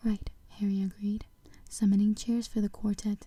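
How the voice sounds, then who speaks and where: This voice is soft-spoken. It moves at a fairly slow pace. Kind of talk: fanfiction read aloud.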